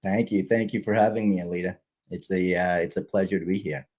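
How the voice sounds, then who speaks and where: A Canadian man who founded a kids' fitness company is a guest on a livestream interview over a video call. His voice is low and darkish with fairly even intonation, a little fast, and he talks in a casual, friendly, easygoing way with some restarts.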